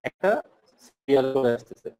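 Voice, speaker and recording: A man's voice: a little fast, dark tone. A man teaching an online class whose voice keeps breaking up and cutting out over a lagging video call. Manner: explains step by step in a mix of Bengali and English terms. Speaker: instructor.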